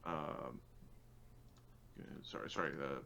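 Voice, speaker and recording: A man's voice: a bass voice, takes it slowly, gravelly, bright, forceful tone. A man chatting casually as a tabletop game player, muttering apologetically through rules and sums on a muffled microphone. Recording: muffled lo-fi mic, background noise.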